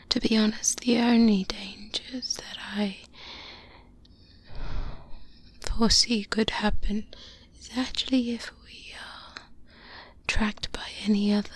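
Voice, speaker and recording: A woman playing a seasoned vampire hunter, a calm and protective mentor, in a soft-spoken ASMR roleplay, hushed and breathy, close to the microphone. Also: on the high side. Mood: calm, reassuring. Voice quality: breathy, whispery. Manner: slow, deliberate, hushed, with long pauses. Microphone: close-up binaural microphone.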